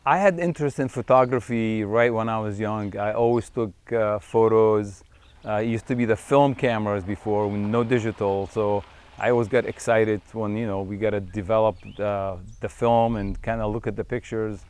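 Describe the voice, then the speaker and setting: A middle-aged man from Syria speaks in a lowish, smooth and clear voice. He talks about his photography unhurriedly and reflectively. He often pauses on fillers and restarts his sentences as he goes. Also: steady tone, a little mellow. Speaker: wildlife photographer. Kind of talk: profile interview.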